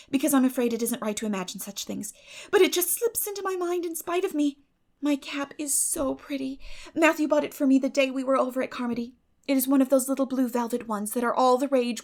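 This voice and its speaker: A woman voicing a dreamy, effusive young schoolgirl in an audiobook, breathless, earnest and gushing. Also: sits high. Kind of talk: dramatic audiobook character reading.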